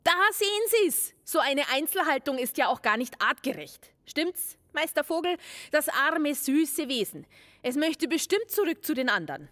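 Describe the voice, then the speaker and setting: Woman doing a fussy sarcastic landlady, audio drama, lively pitch, reverby room. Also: normal speed. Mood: sarcastic, bossy. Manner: haughty, scolding, sarcastic. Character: bossy, indignant, fussy landlady.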